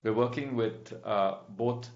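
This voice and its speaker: A man answering as a company executive on an earnings call, in a measured, halting, explanatory manner. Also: on the low side. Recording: dull, echoey conference-call audio.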